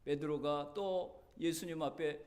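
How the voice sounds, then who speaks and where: A man's voice: on the high side, fairly even intonation, measured pace, a little mellow. A male pastor preaching a sermon in a church, telling the story earnestly, his voice rising and dropping. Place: church sanctuary.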